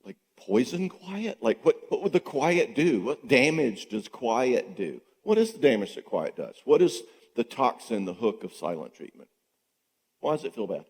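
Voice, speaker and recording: An older man, a psychologist, giving an animated conference talk in a church, asking rhetorical questions and acting out quoted voices. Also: medium pitch, normal speed. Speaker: psychologist speaking at a marriage conference. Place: church sanctuary. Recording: long church hall reverb.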